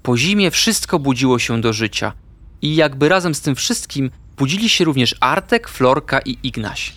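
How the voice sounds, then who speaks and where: A man narrating a children's audio story with lively, expressive storytelling. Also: medium pitch, moderate pace, no room sound.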